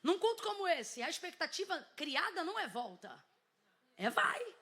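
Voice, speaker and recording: A Brazilian woman preaching a sermon on a church stage through a microphone. Her voice is high and bright, and she often rises to a shout. She repeats key words and throws questions back at the crowd. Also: big pitch swings, brisk. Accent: Brazilian Portuguese. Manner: shouting, emphatic, repetitive calls and questions to congregation. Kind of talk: Pentecostal sermon. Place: church stage before a congregation. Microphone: handheld or headset microphone with compressor.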